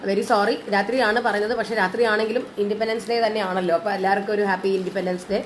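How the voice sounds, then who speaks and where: A woman's voice: mid-range voice, level tone, fast talker, a little hiss or hum. A woman with a lingering cold and cough, chatting casually as she hosts a live jewellery sale and mixes in English words. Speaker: live-stream jewellery seller and host. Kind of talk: casual live sales chat, greeting viewers.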